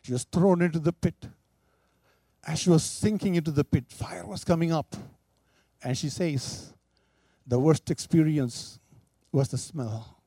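A man's voice: on the high side, measured pace, warm tone, slightly rough, no room sound. A man preaching, telling a story with emphatic, dramatic delivery. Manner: emphatic, rising and falling for drama.

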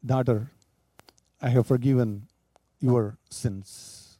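A man voicing a gentle, forgiving Jesus with a sweet, soft voice. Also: mid-range voice, little pitch movement, quick pace, dry recording, pitched below the performer's own voice, natural voice. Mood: tender.

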